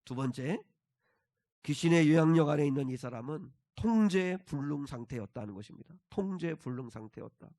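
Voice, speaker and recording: A middle-aged man preaching a sermon as a pastor, building to emphatic peaks and slowing to repeat key phrases. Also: a little high, dark tone.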